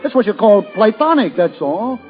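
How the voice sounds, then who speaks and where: A nervous American gambler from an old radio detective play. He protests in slangy, high-pitched, lively speech. The recording is dull and heavily reverberant. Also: normal speed, faint music behind. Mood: defensive, rattled. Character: Loopy Fife, nervous defensive male small-time gambler. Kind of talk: old-time radio detective drama acting.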